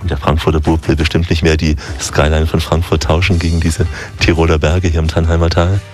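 A man's voice: extremely low pitch, flat delivery, fairly quick, soft background music. A man hosting a radio travel interview, asking curious, prompting questions and narrating.

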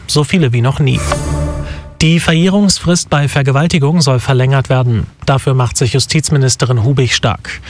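A male newsreader delivering a radio news bulletin in a steady, formal, matter-of-fact tone. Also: medium pitch.

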